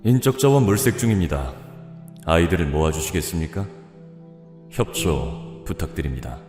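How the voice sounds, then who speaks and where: A man acting in an audio drama with a solemn, formal and measured delivery. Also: low-pitched, animated, a little mellow. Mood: formal, polite. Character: grave narrator of humanity's end, formal official. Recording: long echoing reverb, music behind.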